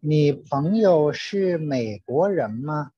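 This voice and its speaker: A man learning a language, carefully and haltingly reciting drill sentences over an online call. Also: on the high side, lively intonation, warm tone, husky. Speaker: language student. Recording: dull, roomy online call recording.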